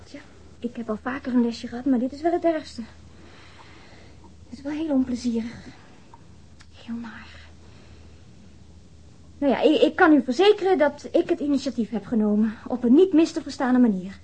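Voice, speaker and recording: A woman's voice: sits high, lively intonation, moderate pace, pauses often, dark tone, slightly rough, heavily acted. An actress in a radio drama playing a frank, flirtatious woman witness who speaks in a hesitant yet candid, matter-of-fact way. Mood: frank, insistent. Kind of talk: radio drama acting, naturalistic dialogue.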